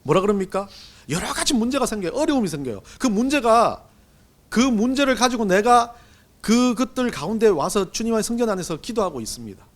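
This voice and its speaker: A middle-aged man preaching a Sunday sermon as pastor, swinging between loud and hushed delivery. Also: high voice, lively intonation, a little fast. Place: church sanctuary.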